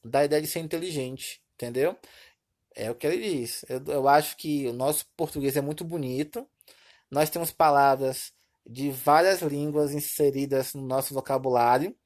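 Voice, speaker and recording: Her voice rumbling low and darkish, a Brazilian woman moves at a moderate pace through a recorded Portuguese lesson. She lays things out step by step, going back over points and often asking her students "tá bom?"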